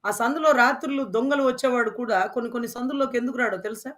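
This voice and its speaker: Fast-talking impassioned interview guest. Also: mid-range voice, fairly even intonation, fairly bright tone. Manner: emphatic, rhetorical questions.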